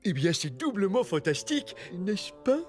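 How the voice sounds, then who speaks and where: A small bookworm sidekick from a kids' cartoon. He sounds eager, kind and encouraging. Soft music sits behind the voice. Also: high voice, big pitch swings, normal speed. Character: encouraging, good-natured male bookworm sidekick creature. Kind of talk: animated children's cartoon dubbing.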